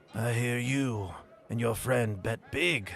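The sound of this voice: A man puts on a gruff character voice at a medium pitch. He talks at a fairly slow pace.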